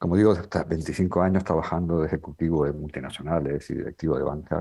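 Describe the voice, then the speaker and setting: A man's very deep, low voice with a dark, mellow tone, fairly even intonation, and a very fast pace. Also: very even loudness. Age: 60s. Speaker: regression therapist and psychologist. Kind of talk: conference talk. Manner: hesitant, many fillers.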